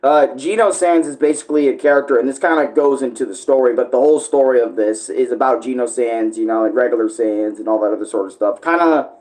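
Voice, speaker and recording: Male streamer, mid-pitched, informal and rambling, halting as he searches for phrasing. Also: a little mellow. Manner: halting, searching for words, self-correcting. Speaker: online video creator and live streamer. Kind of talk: casual rambling livestream chat.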